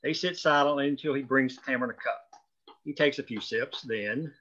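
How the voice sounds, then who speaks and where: A man's voice: mid-range voice, normal speed, fairly bright tone. A man reading screenplay stage directions as scripted narration at a table read, on dull lo-fi audio.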